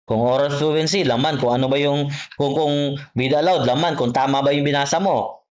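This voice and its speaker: Guy tutoring on a video call, slightly high voice, keeps repeating stuff and checking "ha?". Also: steady tone, moderate pace. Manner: coaxing, repeats points, checks with "ha?" and "okay?". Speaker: test prep tutor. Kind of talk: private online tutoring session.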